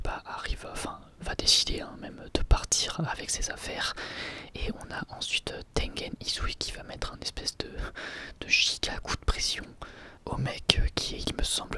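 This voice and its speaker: An ASMR reviewer speaking informally in a halting, hesitant way, close to the microphone, in an episode review. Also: bright, forceful tone.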